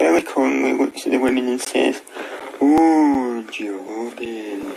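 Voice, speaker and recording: Noticeable background noise runs behind the voice. The pace is fairly slow. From UK. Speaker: live streamer telling jokes. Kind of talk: joke telling on live stream. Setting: live stream.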